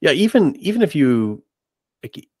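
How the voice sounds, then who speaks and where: A man hosting a podcast in casual interview chat, halting and repeating words as he puts his questions together. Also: on the high side, sing-song, dry recording, clean studio sound.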